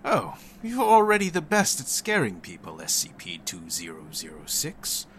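A man's voice: medium pitch, huge pitch swings, normal speed, slight background noise. A man voicing a friendly, easygoing senior researcher in a spoken story. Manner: easygoing, warm and playful.

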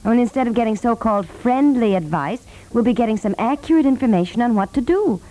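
A woman's voice: fairly high pitch, animated, fast talker, lightly acted, low-quality recording. Woman playing patient, practical 1950s radio wife. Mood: matter-of-fact. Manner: reasonable, gently correcting, calls husband dear. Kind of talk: 1950s radio comedy acting. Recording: vintage 1950s network radio recording.

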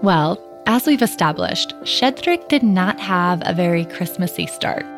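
A woman hosting a podcast, delivering polished, measured scripted narration. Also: lowish voice, expressive, music in the background. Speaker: podcast host.

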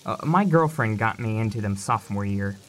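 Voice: mid-range voice, animated, a little fast, close to an everyday voice. An actor playing an eager, cheeky teenage fantasy fan in an audio drama, chatting casually. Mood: enthusiastic, geeky.

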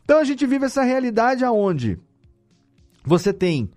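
A man's voice: very high voice, big pitch swings, normal speed, a little mellow, faint music behind. A Brazilian man hosting a conversational podcast interview, speaking in an emphatic, colloquial way. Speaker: podcast host.

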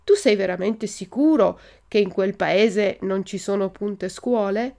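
A woman reading a storybook aloud, voicing a wooden puppet boy who is eager and easily tempted, with wistful, drawn-out exclamations. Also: medium pitch, creaky, a little mellow. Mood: curious.

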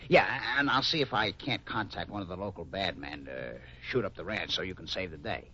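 An actor playing a brash, slangy, scheming Hollywood press agent in a 1950s radio drama. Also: male voice, deep voice, expressive, a little fast, pushed and bright, full character voice. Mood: scheming, brisk. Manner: hesitant bluffing, slangy, wisecracking. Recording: dull old radio recording.

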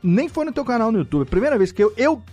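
Animated high-voiced Brazilian podcast host. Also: male voice, quick pace, faint music behind. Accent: Brazilian Portuguese. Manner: lively, joking, animated. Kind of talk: casual podcast chat.

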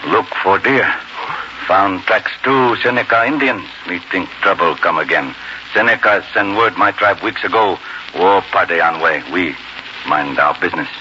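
A man's voice: low voice, normal speed, sharp tone, lo-fi sound. A man playing a friendly, blunt Native American scout who speaks in short broken English phrases, in 1940s radio drama style. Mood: stolid, friendly. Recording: noisy band-limited 1940s radio recording.

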